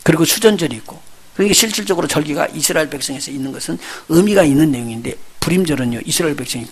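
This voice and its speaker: A male pastor preaching a sermon, telling the story with lively, acted-out voices and putting questions straight to his congregation. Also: fairly high pitch, very fast, slightly rough. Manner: lively storytelling, acts out the characters he retells; addresses the congregation directly with questions.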